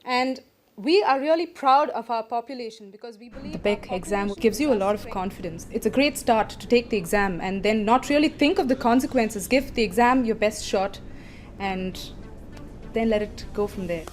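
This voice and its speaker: A woman's voice: on the high side, a little fast, faint music behind. Articulate young woman. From India. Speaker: contestant.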